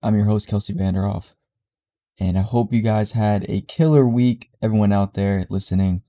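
A young man with a low, mellow, slightly congested voice talks through his week on his own podcast. He rambles easily, full of fillers and restarts. The delivery is relaxed and conversational. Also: normal speed. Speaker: podcast host. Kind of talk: solo casual podcast monologue.

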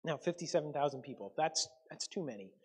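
A man's voice: on the high side, animated, quick pace, a little mellow, husky. A man from Canada preaching a conversational sermon to his congregation, with frequent ums and self-corrections. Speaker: pastor.

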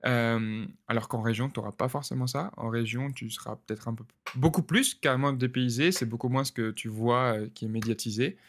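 A man's voice: mid-range voice, fairly quick, hardly any pauses. Man, twenties, easygoing podcast co-host, short listed phrases. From France. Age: 20s. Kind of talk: casual podcast chat.

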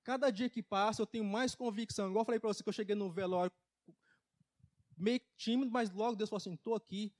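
A man preaching a folksy testimony sermon in church, emphatic, with loudness and pitch that swing widely. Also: steady tone, quick pace. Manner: folksy, laughs at his own jokes. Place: church service.

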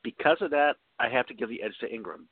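A man on a sports radio panel giving his analysis in a halting way, often restarting and repeating words. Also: mid-range voice, animated, no room sound. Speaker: fantasy football panelist. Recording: dry, phone-like narrow band.

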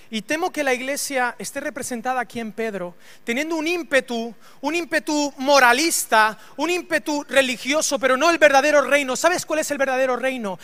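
A man preaching a humorous, animated sermon and acting out scenes with voices. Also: extremely high pitch. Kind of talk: storytelling sermon.

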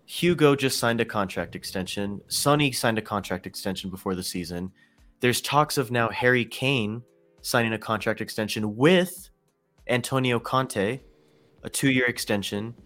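A man's voice: medium pitch, moderate pace, fairly bright tone, soft background music. A man co-hosting a casual fan podcast, talking earnestly and in detail. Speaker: podcast co-host.

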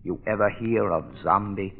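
A superstitious, close-mouthed island pilot in a radio thriller. His lowish voice is curt and ominous, in broken English. It rings in a long reverb on a narrow old recording. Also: normal speed. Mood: gloomy, ominous. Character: gloomy, taciturn, superstitious male island boat pilot. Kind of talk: 1930s radio acting. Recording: muffled old radio, echoey, faint noise.

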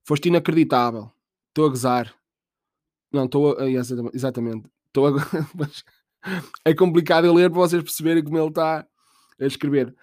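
A man's voice: on the high side, fairly even intonation, brisk, darkish tone, no room sound. Joking European Portuguese man, dry sound. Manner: rambling, profane, jokey, self-mocking. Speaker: podcast host. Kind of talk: casual comedic monologue.

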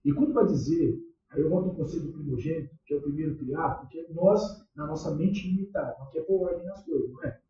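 A Brazilian pastor preaches in a loose, conversational way, tossing questions to the congregation. His voice sits high, and it bounces around a very echoey church. The mic is far off and dull. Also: quick pace, dark tone. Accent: Brazilian Portuguese. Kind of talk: sermon.

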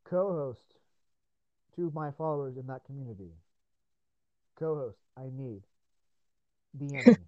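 A man's voice: mid-range voice, animated, a little slow, long pauses, dry recording. A man hosting a podcast in casual chat, swearing, rambling and laughing often, his voice tired after hours of talking. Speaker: podcast host. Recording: tinny phone-like line.

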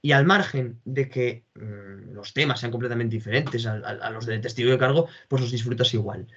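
A man talks eagerly about old films, going back over the same phrases and tripping on his words. His voice is husky and mid-pitched. The recording sounds dull and lo-fi. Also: normal speed, fairly bright tone. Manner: enthusiastic, repeats phrases, stammers. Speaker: film discussion co-host. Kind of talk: casual film chat. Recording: dull lo-fi audio.

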